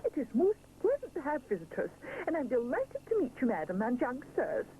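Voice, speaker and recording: A woman's voice: sits high, wildly swooping pitch, a little fast, mellow, a little hiss or hum, pitched above the performer's own voice, poor audio. A woman voicing a cheery, formal male cake chef in a children's story. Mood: delighted. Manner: jolly, formal, delighted.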